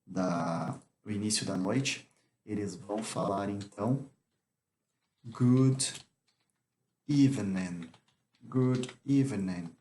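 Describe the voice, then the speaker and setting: Guy teaching english, talks real slow and low, repeats every phrase, bit of faint hiss. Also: darkish tone. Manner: repeats each phrase slowly, drilling pronunciation. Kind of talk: slow explanatory lesson with repeated examples.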